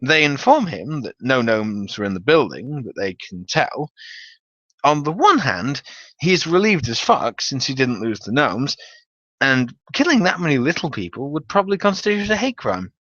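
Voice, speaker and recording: A man narrates a comic gaming tale as a dramatic reading. His delivery is theatrical and wry, with very lively intonation and a bright, forceful edge. The sound is dry and a little dull. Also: medium pitch, moderate pace, no room sound. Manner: theatrical storytelling with wry emphasis. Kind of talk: dramatic reading of a comic tabletop-game story.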